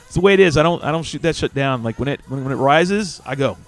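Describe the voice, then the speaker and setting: A man's voice: a little high, animated, quick pace, faint music behind. A man in his forties hosting a casual podcast, talking loosely with swearing and rambling asides. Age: 40s. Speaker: podcast host. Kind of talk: casual chat.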